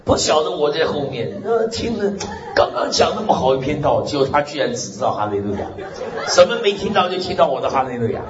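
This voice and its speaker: A male pastor preaching a lively sermon with a loud, strong voice, exclaiming amen and hallelujah and laughing along. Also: on the high side, brisk, over a noisy crowd. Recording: roomy, muffled recording with faint hiss.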